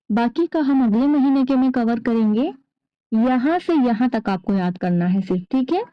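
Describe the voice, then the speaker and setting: A woman teaching young children to recite, drawing out syllables slowly and patiently. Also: on the high side, dry recording, lo-fi sound. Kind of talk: slow recitation lesson with repetition.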